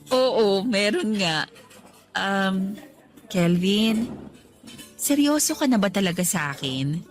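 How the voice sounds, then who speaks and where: Frank Filipina girlfriend, played by a woman, medium pitch. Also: animated, drawn-out words, pauses often, faint music behind. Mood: nervous, serious. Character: loving young Filipina girlfriend, teasing, frank, seeking commitment. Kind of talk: Tagalog radio romance drama dialogue.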